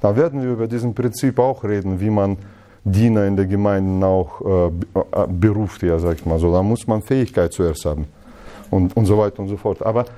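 A man's voice: fairly low pitch, a little fast. A man teaching the Bible to a church group in slightly broken German, playfully acting out dialogues and laughing often. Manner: animated, playfully acts out dialogues with frequent laughs.

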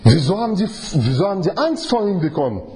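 Animated man teaching a Bible study. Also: high-pitched, quick pace, a little hiss or hum. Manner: animated, quizzes the audience, acts out scenes; non-native German with grammar slips. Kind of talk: conversational Bible study sermon.

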